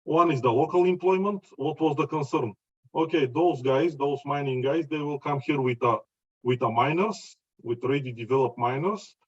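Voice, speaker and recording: A man from Bulgaria with a Bulgarian accent gives a conference presentation in halting non-native English, often searching for words. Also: a little high, breathy edge. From Bulgaria, mining region near Chelopech. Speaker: mining company representative giving a presentation. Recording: slightly dull, lo-fi audio.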